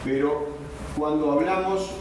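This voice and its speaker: A man's voice: a little high, unhurried, darkish tone. A man teaching a literature workshop, reading notes aloud and breaking off into conversational asides and questioning tags to his class. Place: echoey classroom with students. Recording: echoey room, distant mic, faint noise.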